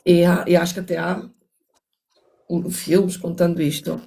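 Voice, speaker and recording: At a normal speed, an older woman reads and analyzes a book as host of a reflective discussion. Her fairly low voice is creaky and mellow with flat delivery, and she muses, restarts often, and moralizes along the way.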